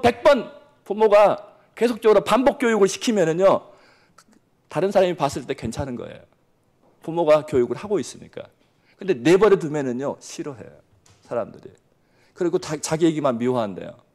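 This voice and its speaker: Animated male pastor, swinging loud to hushed. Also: a little high. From Jeolla, South Korea. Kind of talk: sermon.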